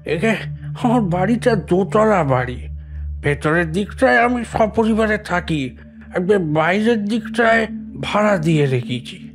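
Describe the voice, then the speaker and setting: An actor playing a frightened, pleading old Brahmin landlord of about seventy in an audio drama, flustered, halting and deferential, often repeating himself. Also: male voice, sits high, lively intonation, faint music behind. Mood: nervous, confused.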